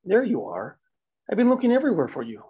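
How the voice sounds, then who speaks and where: A man voicing a gentle, steady man who calms others and comforts a friend, reading in a soft, reassuring way during a screenplay table read. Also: high-pitched, fast, breathy edge, voice pushed up, heavily acted. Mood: comforting.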